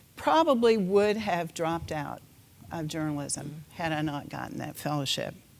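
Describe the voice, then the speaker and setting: A woman's very deep, low voice with big swings in loudness. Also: ordinary pitch variation, moderate pace. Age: 60s. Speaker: retired TV journalist. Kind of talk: panel talk.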